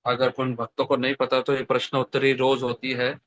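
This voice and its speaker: A man's voice: mid-range voice, monotone, a little fast, a bit bright, no echo. A man hosting an online devotional session, politely thanking the speaker and announcing what comes next. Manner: polite, gracious. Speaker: session host. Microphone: online video call. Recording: dry, slightly dull online call audio.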